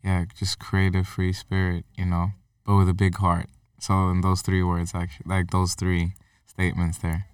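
A young man from Uganda and Sweden, a musician guest talking casually with many fillers and pauses. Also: sits low, smooth, dry recording, clean studio sound, recorded from a distance. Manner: relaxed, hesitant, lots of fillers. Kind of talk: casual interview chat.

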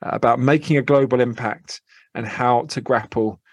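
A man's voice: mid-range voice, fairly even intonation, normal speed, no room sound. A man hosting a podcast interview, friendly and a little hesitant, with many fillers and restarts. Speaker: podcast host.

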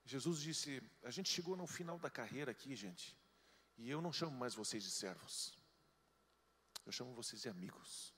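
A man preaching a sermon as pastor, telling stories with lively delivery and jumping into high voices to quote people. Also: moderate pace. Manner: animated storytelling, jumps into high-pitched voices for quoted people. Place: church hall. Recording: long hall reverb.

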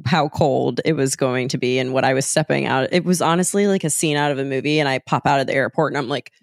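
A woman's voice: rumbling low, fast talker, vocal fry, no room sound, clean studio sound. A young adult woman from the South, co-hosting a podcast and laughing often as she tells stories. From American South. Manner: upbeat, laughs often while telling stories. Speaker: podcast co-host. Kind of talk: casual chat.

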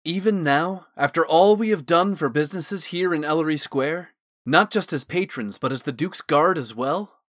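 A man's voice: mid-range voice, expressive, unhurried, fairly bright tone, dry recording, clean studio sound. A man as a wry, fond guardsman. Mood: concerned. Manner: wry, teasing. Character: teasing, smug male guardsman, fond of his friend. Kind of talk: audiobook character dialogue.

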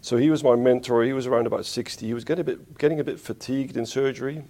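A man from the Netherlands, a spine surgeon being interviewed, who talks in a thoughtful, unhurried way and corrects himself as he goes. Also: medium pitch, steady tone, dark tone. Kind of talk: conversational interview.

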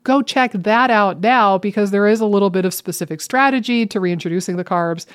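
A woman's voice: mid-range voice, a little fast, clear, resonant tone. A woman co-hosting a podcast, chatting casually in a playful way with dramatic asides. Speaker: podcast co-host. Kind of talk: casual chat. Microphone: webcam setup.

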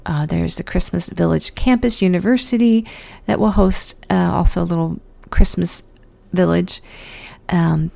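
A woman's voice: fairly low pitch, vocal fry, dark tone, no echo. A woman hosting a casual solo podcast, talking in a chatty way with lots of ums and restarts. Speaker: podcast host.

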